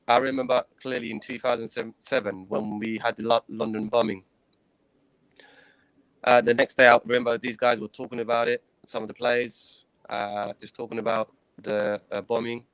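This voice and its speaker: A man in his thirties speaks as an interview guest, telling his own story in an earnest, halting way. His voice sits at an ordinary middle pitch. It is recorded dry, with no room echo. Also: gravelly, a bit bright, smooth. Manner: earnest, hesitant, frequent pauses and restarts. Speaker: guest, former professional cricketer. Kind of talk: recounting personal experiences in an interview.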